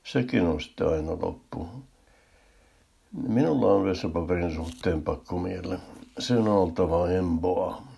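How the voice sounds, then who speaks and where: An older man telling a humorous first-person story in a dry, deadpan way. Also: low-pitched, gravelly, slightly rough.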